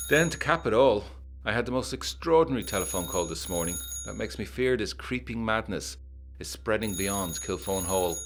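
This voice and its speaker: A man narrating a letter in a measured, formal, old-fashioned manner for a gothic audio drama. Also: low-pitched, a little hiss or hum. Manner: measured, formal period storytelling.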